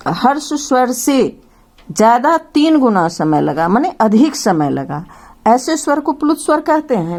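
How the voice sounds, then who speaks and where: A woman's voice: mid-range voice, a little mellow. A woman teaching grammar to children, patiently explaining and drawing out each vowel sound as she names it. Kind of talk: slow classroom explanation to children.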